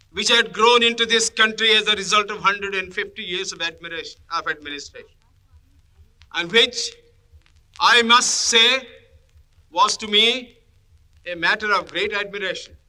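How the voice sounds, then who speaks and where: A man delivers formal parliamentary oratory in a measured, emphatic manner, broken into short phrases. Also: extremely high pitch, pushed and bright.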